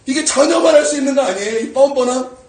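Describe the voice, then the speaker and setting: A male pastor preaching a sermon, swinging from shouted prayers down to quiet, low asides. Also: fast talker, echoey room, recorded from a distance. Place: church sanctuary.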